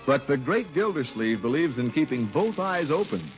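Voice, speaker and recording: A man's voice: medium pitch, big pitch swings, normal speed. A man announcing a 1950s radio show and reading an ad, hearty and emphatic. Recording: dull old radio broadcast with music.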